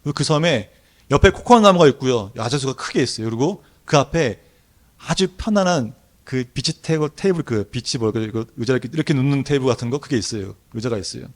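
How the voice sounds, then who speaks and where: A male pastor preaching a sermon, telling stories vividly and building up to loud, fervent declarations. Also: mid-range voice, fast talker. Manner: animated storytelling, rising to loud proclamations.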